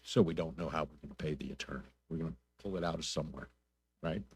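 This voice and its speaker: A man speaking as a council member at a public meeting, asking probing questions in a plainspoken, deliberate way. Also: a bass voice, breathy edge, no echo.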